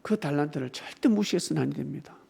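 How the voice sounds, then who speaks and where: Emphatic preaching man, lively pitch. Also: quick pace, gravelly, husky. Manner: emphatic preaching, swinging between loud exclamations and softer asides; asks the congregation rhetorical questions. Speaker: pastor. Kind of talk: sermon.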